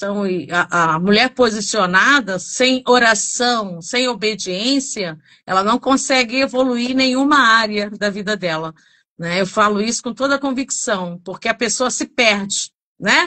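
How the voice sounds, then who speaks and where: At a fairly slow pace, a woman speaks in a plain, everyday voice, her pitch fairly high with ordinary pitch variation. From Rio de Janeiro, Brazil. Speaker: gospel singer and pastor. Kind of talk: casual chat.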